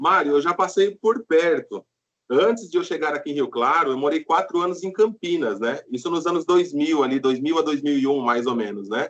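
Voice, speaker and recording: Here a man speaks at a moderate pace with lively intonation. His pitch is fairly high. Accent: São Paulo interior. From Brazil, São Paulo city. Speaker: security and leadership trainer. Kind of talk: interview conversation. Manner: casual.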